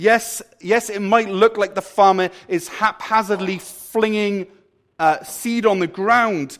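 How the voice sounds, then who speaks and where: The voice has a Welsh accent. The pace is very slow. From Wales. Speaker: preacher. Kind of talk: sermon.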